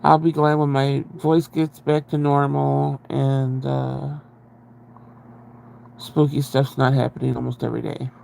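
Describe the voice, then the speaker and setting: A man's voice: medium pitch, flat delivery, measured pace, gravelly, a little mellow, a little hiss or hum, low-quality recording. A man hosting a casual livestream, chatting in a rambling way and greeting viewers, his voice nasal and congested from a cold, speaking very close to the microphone so his breathing comes through. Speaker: livestream host. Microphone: very close to the microphone, breathing audible.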